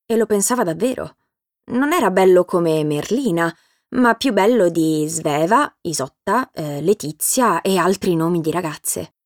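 A woman narrating a children's storybook in a steady, clear reading voice. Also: mid-range voice, dry recording, clean studio sound.

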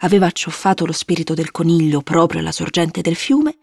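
Woman audiobook narrator, steady storyteller, dry close mic. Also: low-pitched, creaky, breathy edge, no room sound. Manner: measured, even storytelling. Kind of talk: scripted narration.

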